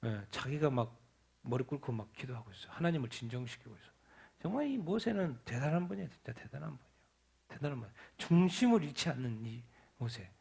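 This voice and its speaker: A male pastor preaching at a midweek Bible study. He reads scripture slowly, then preaches with emphasis, asking the congregation questions and answering them himself. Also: mid-range voice, very animated, gravelly, a little mellow, breathy edge.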